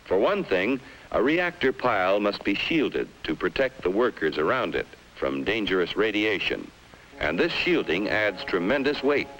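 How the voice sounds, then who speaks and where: An American man narrating a scripted 1950s educational film in an emphatic, dramatic manner with deliberate pauses. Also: lowish voice, big pitch swings, a bit bright, rough recording.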